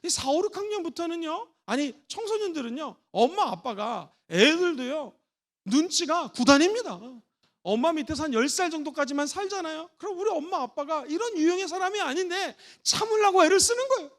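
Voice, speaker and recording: A male pastor delivers a Sunday sermon in a church, his voice pitched high. He swings his pitch widely and animatedly, putting on quoted voices of spouses and parents as he preaches. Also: animated, a little fast. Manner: acts out quoted family voices with big pitch jumps. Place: church sanctuary.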